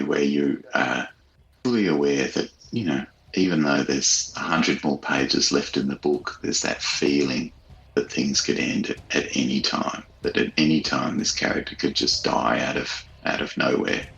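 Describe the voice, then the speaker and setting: A man's voice: a bass voice, fairly even intonation, normal speed, creaky, fairly bright tone, muffled recording. A man chatting casually and reflectively as an interview guest, an author with a hesitant, thoughtful, modest manner.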